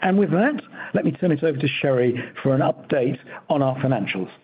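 A man speaking with lively, swooping intonation and clear excitement in his prepared executive remarks. His voice sits a little high and comes through husky. The sound is thin and narrow, like a phone line. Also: a little fast. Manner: enthusiastic, emphatic delivery. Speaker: company executive on earnings call. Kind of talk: prepared earnings call remarks. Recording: tinny phone-line audio.

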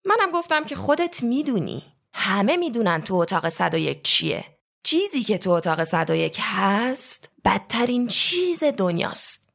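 A calm, menacing male interrogator, read by a woman. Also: mid-range voice, gravelly, heavily acted. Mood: cold, menacing.

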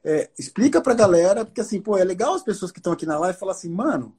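A man on a live podcast as the guest, talking in a slangy, joking, excitable way. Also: high-pitched, racing, breathy edge. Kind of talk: casual live chat.

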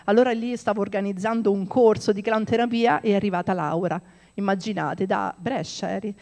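A woman's voice: mid-range voice, fairly even intonation, a little fast, a little mellow, big-room sound. A woman delivering a conversational sermon, reading scripture aloud and often checking in with her listeners. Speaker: preacher.

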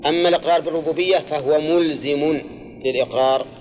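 A man's voice: on the high side, steady tone, fast, a little mellow, muffled recording. An older man teaching a grammar and exegesis class, explaining step by step, repeating key phrases and quizzing his students. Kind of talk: classroom lesson with questions to students.

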